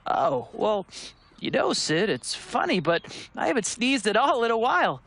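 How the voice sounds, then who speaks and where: A friendly cartoon dad. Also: male voice, high-pitched, big pitch swings, moderate pace, exaggerated voice. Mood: easygoing. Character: friendly, sniffly father. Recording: voice under loud music bed.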